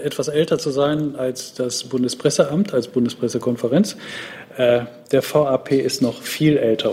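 A man moderating a panel, directing speakers briskly. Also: mid-range voice, darkish tone.

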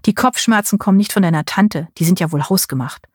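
A woman voicing a tired nurse friend in an audiobook, soft and weary. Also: fairly low pitch, a little fast, husky, dry recording, studio quality.

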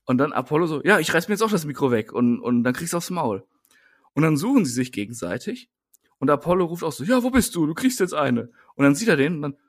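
A man from Siegerland, Germany, co-hosts a casual wrestling podcast, ranting in exasperation. His voice is a little high, swings widely in pitch, and moves fast.

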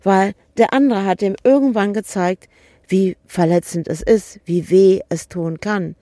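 A woman's voice: medium pitch, a little slow, mellow, dry recording, clean studio sound. A middle-aged woman telling a personal story in an earnest, reflective way, acting out dialogue and asking the same questions again and again. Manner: earnest, asks repeated questions, acts out dialogue.

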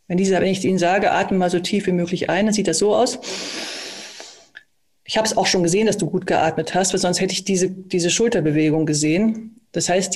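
Speaking coach, calm explanatory tone, demonstrates while talking, coaching conversation. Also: medium pitch.

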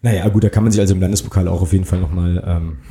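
A man's voice: sits low, fairly even intonation, very fast, mellow. A man co-hosting a casual fan podcast, rambling with many fillers and restarts. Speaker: podcast co-host.

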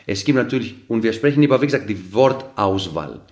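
A man's voice: fairly low pitch, animated, a little fast, a little mellow. A man who is not a native speaker, explaining ideas earnestly through everyday examples with many fillers and restarts, as a podcast guest. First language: not German. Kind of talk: casual explanatory talk.

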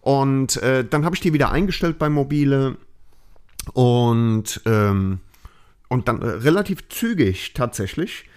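A man's voice: mid-range voice, expressive, measured pace, clean tone. A man hosting a podcast, telling a story in a loose, chatty way full of fillers and tag questions. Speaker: podcast host. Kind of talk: casual storytelling chat.

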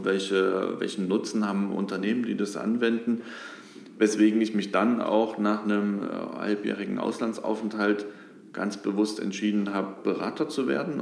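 A man's voice: fairly low pitch, creaky, roomy sound. A man in his thirties from Dresden, a company director answering interview questions thoughtfully with frequent fillers. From Dresden, Germany. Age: 30s. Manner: thoughtful, many fillers and restarts, lively when animated. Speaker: guest, company managing director.

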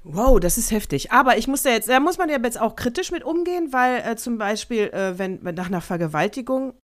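A woman with a slightly high voice talks plainly in a casual conversation. She is direct and outspoken, but she often hesitates and restarts mid-thought. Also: expressive, brisk. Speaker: podcast co-host.

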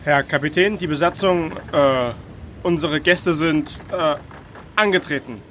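A man's voice: a little high, unhurried, a bit bright, slight background noise. A man voicing a servile first mate who speaks politely and hesitantly, with frequent ums. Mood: meek. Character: servile male first mate, nervous and obliging.

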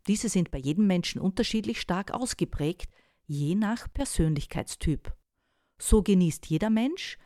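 A woman voice coach giving calm, scripted instructional advice, often asking rhetorical questions. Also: lowish voice, no echo, studio quality. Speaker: voice and sales-speech coach.

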